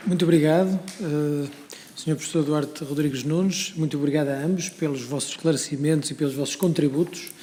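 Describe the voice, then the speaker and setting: A man's voice: fairly high pitch, fairly even intonation, brisk, mellow. A man chairing a parliamentary committee, courteous and formal. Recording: echoey room with faint background noise.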